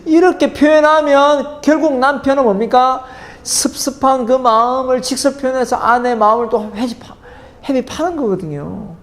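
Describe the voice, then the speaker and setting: A woman's voice: sits high, moderate pace. Woman lecturer checking in with her audience. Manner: keeps checking in with the audience through rhetorical questions; acts out spouses' lines in lively quoted dialogue. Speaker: parenting course lecturer.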